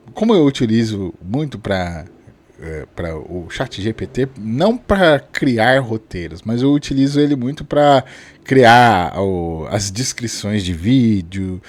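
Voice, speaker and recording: Male vlog host, late 30s, mid-range voice, loose and chatty with self-corrections, dry room. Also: no echo. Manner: rambling, many restarts and "né?" tags, chuckles often; lively, sudden jumps up in pitch and loudness. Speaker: channel host. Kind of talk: casual talking-head vlog.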